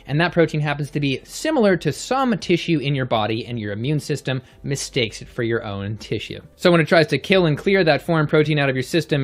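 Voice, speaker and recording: A man hosting an upbeat science explainer, energetic and given to jokey asides. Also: a little high. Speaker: host.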